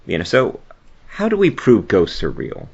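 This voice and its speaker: A man with a deep voice and lively, swinging intonation hosts a podcast. He chats casually and muses as he goes. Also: normal speed, slightly rough, dull audio. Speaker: podcast host. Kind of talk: casual interview chat.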